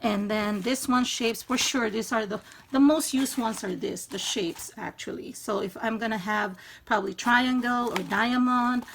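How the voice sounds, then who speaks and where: Husky-voiced woman with a gravelly edge. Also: a little high, normal speed, fairly bright tone, a little hiss or hum. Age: 50s. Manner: chatty, explains step by step. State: hoarse from allergies. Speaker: craft channel host. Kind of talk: casual DIY tutorial. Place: craft room in a home loft.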